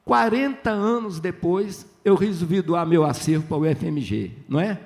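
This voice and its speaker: Man, older, high voice, gravelly, chatty storyteller, festival panel guest. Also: normal speed. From Minas Gerais, Brazil. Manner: lively, chatty, tag questions, acts out dialogue.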